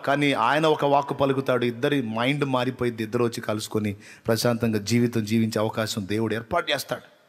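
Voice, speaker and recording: A man preaching a sermon with passion, swinging from loud, urgent appeals to soft, tearful prayer. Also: mid-range voice, steady tone, fast talker.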